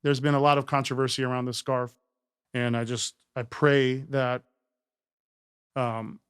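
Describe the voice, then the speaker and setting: A man's voice: medium pitch, flat delivery, unhurried, clear, resonant tone. A man hosting a casual podcast conversation who speaks earnestly, often hesitates with fillers, and answers with short affirmations. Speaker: podcast host.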